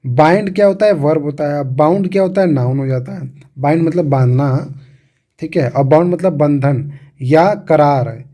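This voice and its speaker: A man's voice: on the high side, normal speed, warm tone. A man, explaining English grammar to students, often repeating himself and asking questions. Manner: repeats and restarts words, asks the class questions. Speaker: English teacher.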